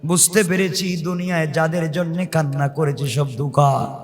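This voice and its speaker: A man preaching an Islamic sermon as dramatic, plaintive storytelling, with repeated phrases and drawn-out, chant-like calls. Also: a little high, steady tone. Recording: long hall reverb from PA.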